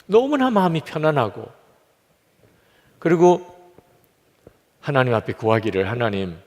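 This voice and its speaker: An older man, a pastor, preaching a heartfelt sermon, his voice rising loud and dropping to a near whisper. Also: mid-range voice, big pitch swings, moderate pace. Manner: emotional testimony, swings from loud to near whisper. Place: church sanctuary. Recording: church hall reverb.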